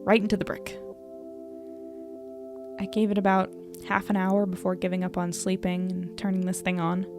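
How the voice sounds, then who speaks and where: Music plays clearly behind an actress playing a young woman reporter in an audio drama. She is plainspoken and troubled, with a medium-pitched voice and dry, understated sarcasm. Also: monotone, normal speed, lightly acted. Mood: weary, musing. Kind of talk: audio drama acting, diary-like monologue and dialogue.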